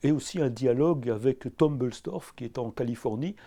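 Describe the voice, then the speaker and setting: Captured by a camera crew's sound setup, a middle-aged Belgian French-accented man, a professor of anthropology, responds in a filmed interview. He is hesitant, full of fillers and restarts, and speaks at a moderate pace in a mid-range voice with a dark tone.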